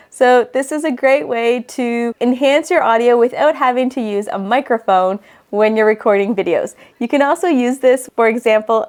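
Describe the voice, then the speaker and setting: A woman's voice: fairly high pitch, darkish tone. A woman host presenting a tutorial in an instructive, conversational way, as an online educator. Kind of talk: tutorial narration to camera.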